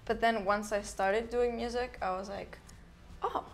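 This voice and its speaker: A woman's voice: a little high, steady tone, unhurried, gravelly. A young woman from Finland, a singer, answering interview questions in a casual, upbeat way with frequent laughs and lots of "like". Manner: upbeat, laughs often, says "like" a lot.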